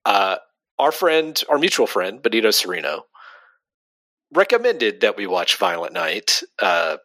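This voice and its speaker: A man's voice: fairly low pitch, very animated, a little slow, fairly bright tone. A man co-hosting a casual movie podcast, rambling and restarting his sentences and laughing often. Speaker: podcast co-host.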